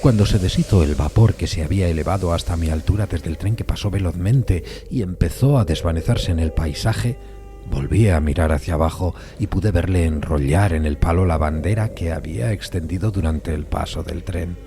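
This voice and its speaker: A man giving a measured, literary dramatic narration of a classic suspense story. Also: low-pitched, music in the background. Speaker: narrator of an audio fiction adaptation.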